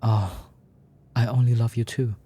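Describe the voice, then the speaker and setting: A man's voice: mid-range voice, steady tone, measured pace, warm tone, slight background noise, natural voice. A man voicing a proud, jealous, hot-tempered gay husband in a dramatized story. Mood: insecure, tender.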